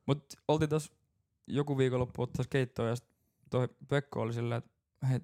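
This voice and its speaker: A man's voice: mid-range voice, fairly even intonation, mellow. A man co-hosting a casual podcast chat, telling rambling stories and laughing often. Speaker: podcast co-host.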